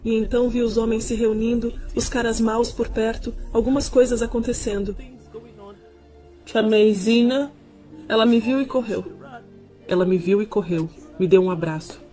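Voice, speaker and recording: A woman's voice: fairly high pitch, fairly even intonation, normal speed, dark tone, faint music behind. A mother giving an earnest religious testimony of a vision, often repeating her words. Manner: earnest, repetitive retelling.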